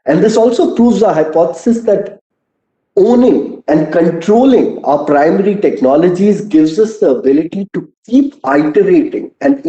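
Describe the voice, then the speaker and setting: A man with an Indian accent giving a prepared earnings call presentation as a company executive, measured and articulate, with deliberate emphasis. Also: a little high, dark tone. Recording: muffled, echoey conference call audio.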